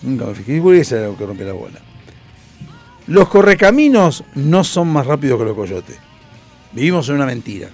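A man with a Rioplatense accent hosting a casual chat, reading trivia facts in an animated way with quick asides. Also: medium pitch, soft background music. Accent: Rioplatense Spanish.

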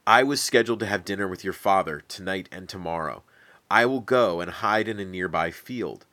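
A man's voice: sits low, moderate pace, bright, forceful tone. A man voicing a frightened young man who speaks urgently and pleadingly. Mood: planning. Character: frightened young male hero in hiding.

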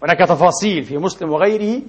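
Husky-voiced man preaching emphatically. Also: high voice, quick pace. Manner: impassioned, emphatic preaching with sharp rises. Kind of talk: Friday sermon. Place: mosque. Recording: dull lo-fi recording.

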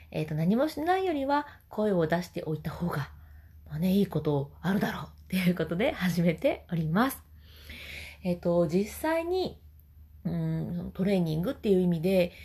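A woman vocal trainer explaining voice exercises gently and singing short demonstrations. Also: on the low side. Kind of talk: voice training lesson.

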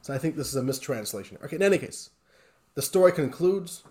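A man teaching a Torah class, telling a story in a lively, conversational way with emotional emphasis. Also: fairly high pitch, fast.

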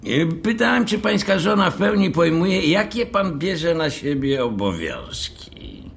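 A man's voice: on the high side, sing-song, measured pace, gravelly, a bit bright, exaggerated voice. A man playing an officious, short, plump hotel manager in an audio drama, speaking formally and probingly.

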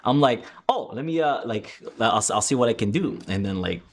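A man's voice: fairly low pitch, lively intonation, moderate pace. A man in his thirties from the Philippines, hosting a casual podcast and telling stories with many fillers and restarts. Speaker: podcast host.

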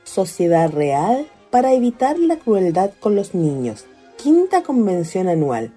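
Woman narrating a radio play, dark tone. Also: medium pitch, huge pitch swings, a little slow, breathy edge, soft background music.

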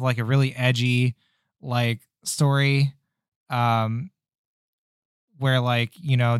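A man co-hosting a podcast, chatting casually about game demos in a relaxed, rambling way with plenty of fillers. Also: medium pitch, smooth, no echo, clean studio sound. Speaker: podcast co-host.

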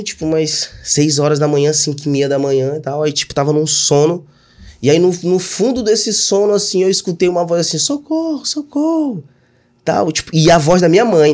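Fast-talking Brazilian man telling a story. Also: on the high side. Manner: rapid, animated storytelling with many fillers. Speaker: guest. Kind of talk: casual storytelling interview.

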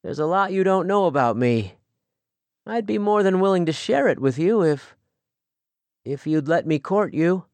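A man playing a calm young Amish farmer. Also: high-pitched, moderate pace, long pauses, no echo, pitched above the performer's own voice. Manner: gentle, even-tempered.

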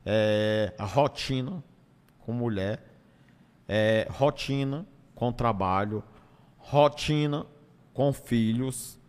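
A man's voice: medium pitch, extremely slow, long pauses, a little mellow, clear, resonant tone. A man with a northeastern Brazilian accent, telling stories casually as an interview guest, in a colloquial way that acts out bits and repeats phrases. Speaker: stand-up comedian, interview guest. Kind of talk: casual conversational storytelling. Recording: long hall-like reverb.

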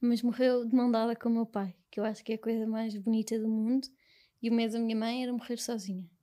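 Woman, European Portuguese accent, mellow voice, fairly high, soft and halting. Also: flat delivery. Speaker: interview guest. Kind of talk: personal conversation.

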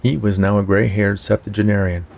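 A man narrating scripted fiction for a podcast in a measured storytelling way. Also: fairly low pitch, steady tone, creaky, darkish tone. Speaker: podcast narrator, writer and producer.

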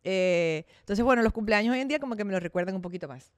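In a casual monologue on her own podcast, a thirties-aged woman talks openly and chattily about her life, occasionally voicing her inner thoughts. She speaks fast with a medium pitch and lively intonation, captured in a dry, studio-quality recording.

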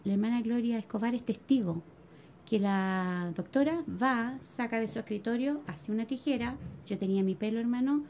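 A middle-aged woman with a Chilean accent giving a spoken religious testimony to a congregation, telling her story in an animated way and calling her listeners brothers. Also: medium pitch, a little hiss or hum. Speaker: church member giving testimony.

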